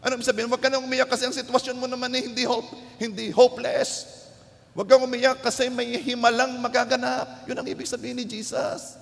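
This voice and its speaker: A man's voice: extremely high pitch, level tone, fast talker, creaky, fairly bright tone. A man preaching a sermon as pastor, building to emphatic, rising passages and slipping English phrases into his talk. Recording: long church hall reverb.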